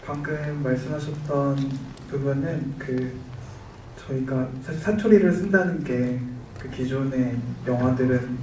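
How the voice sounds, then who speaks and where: Measured young man in an echoey hall. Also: medium pitch, dark tone, a little hiss or hum. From Jeju, Korea. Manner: measured, explanatory, with many hesitations. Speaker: film director. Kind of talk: press conference answers. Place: large event hall stage, seated. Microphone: handheld mic. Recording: echoey hall, distant mic.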